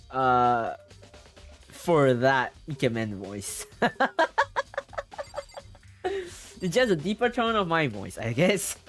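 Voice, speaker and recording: A man's voice: a little high, fairly bright tone. A man streaming a story game, reading its text aloud and chatting with viewers with frequent giggles. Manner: giggly, chatty, reacting to chat.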